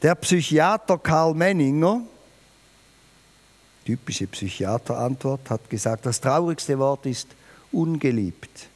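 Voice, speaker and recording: A man preaching a New Year sermon, emphatic and lively, speaking directly to his listeners. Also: slow. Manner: lively, emphatic, varies pitch and volume, addresses listeners directly.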